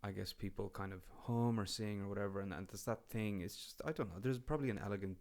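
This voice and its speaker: A deep-voiced Irish man, a guest on a podcast, talking in a loose and casual way. He rambles, restarts his sentences and drops the odd swear word. His low voice has a gravelly, creaky edge. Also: quick pace, darkish tone. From Ireland. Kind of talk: casual conversation.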